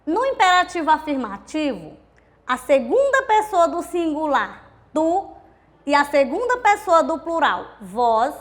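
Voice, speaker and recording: A woman with a Brazilian accent teaches a grammar lesson in a high, clear voice. She explains step by step, drawing words out and counting syllables aloud. She keeps asking the class rhetorical questions. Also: big pitch swings, a little slow. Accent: Brazilian Portuguese. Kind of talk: recorded grammar video lesson.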